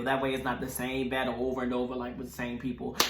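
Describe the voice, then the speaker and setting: A man's medium-pitched voice at a very fast pace, with audible room echo and noticeable background noise. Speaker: YouTube reaction host. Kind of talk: casual chat.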